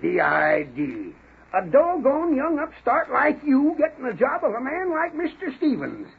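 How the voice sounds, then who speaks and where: Fiery old Western pa, high creaky scolding voice, vintage radio drama. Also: male voice, huge pitch swings, measured pace, heavily acted. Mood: grumpy, blustering. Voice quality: creaky, cracking old-timer voice. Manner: blustering, scolding. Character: cantankerous old frontier father, a fire eater. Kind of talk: 1930s radio acting. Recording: tinny 1930s radio recording.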